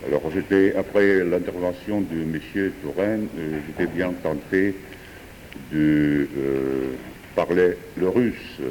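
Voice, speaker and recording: A man, a French speaker, improvising a philosophical talk with hesitant pauses and fillers. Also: low-pitched, darkish tone, slight background noise. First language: Georgian. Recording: distant voice in a reverberant hall.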